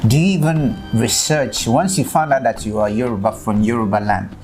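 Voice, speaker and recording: A man's voice: mid-range voice, normal speed, over music. A man from Nigeria with a Nigerian accent, interviewing a guest in casual chat and pressing eagerly with repeated questions.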